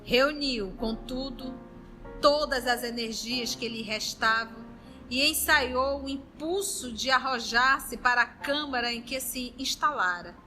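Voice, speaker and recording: Bright, chatty woman leading a study group. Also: high-pitched, unhurried, faint music behind, rough recording. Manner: warm, chatty and lively between passages. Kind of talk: reading a novel aloud in a study group.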